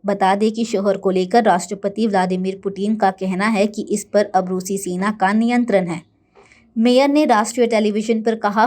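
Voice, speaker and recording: A woman news anchor reading a scripted bulletin in a formal, measured manner. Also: medium pitch, a little mellow.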